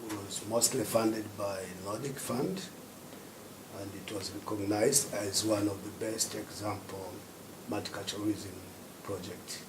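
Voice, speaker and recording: A lower-voiced man speaks slowly on a symposium panel, stopping often to search for words. His voice carries the echo of a large hall. A clear layer of background noise sits under it. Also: steady tone. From Tanzania. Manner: unhurried, searching for words with many pauses. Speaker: panelist, festival director. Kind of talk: panel discussion talk.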